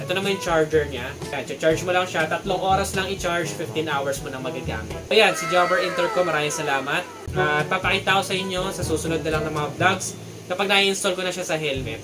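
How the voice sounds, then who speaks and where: A Filipino man with a slightly high voice presents an unboxing in a casual vlog style. He is chatty and informal and slips English terms into his talk. Loud guitar music plays behind him throughout. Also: a little fast. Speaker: motorcycle vlogger and product reviewer. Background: prominent guitar music.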